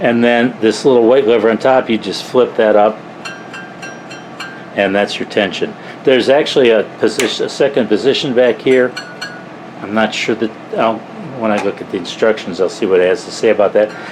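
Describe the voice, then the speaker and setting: With noticeable background noise, a man speaks in fairly even intonation, leaving long, frequent pauses. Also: medium pitch for a man, moderate pace. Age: 70s. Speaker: woodworker reviewing tools. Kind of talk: product review tutorial. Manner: halting, many restarts and fillers.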